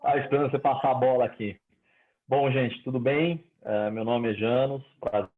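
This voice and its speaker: A man introducing himself as a panelist on an online panel, relaxed and hesitant with fillers. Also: medium pitch, normal speed. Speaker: panelist, e-commerce executive. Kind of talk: self-introduction on a webinar panel. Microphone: video call. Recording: tinny phone-like audio.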